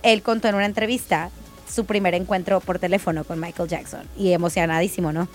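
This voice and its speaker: A woman's voice: lowish voice, fast, soft background music. A woman with a Mexican accent co-hosting a casual, chatty celebrity gossip show. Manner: chatty, animated, giggly. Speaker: show co-host.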